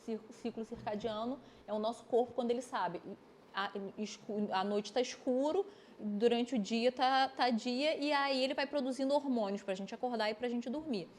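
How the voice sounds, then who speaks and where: A woman, an osteopath and physiotherapist, explains things step by step on a podcast, with lively examples. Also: on the high side, normal speed, a little hiss or hum. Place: podcast studio.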